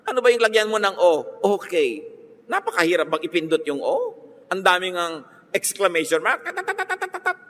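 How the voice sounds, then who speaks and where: A man's voice: high voice, big-room sound. A man with a Filipino accent preaching a sermon as pastor, teasing, mixing in English phrases. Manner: mixes English into talk, teasing, animated mock voices. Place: church.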